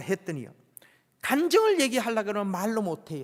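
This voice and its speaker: A man with a high pitch. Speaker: church elder. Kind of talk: testimony. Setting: church.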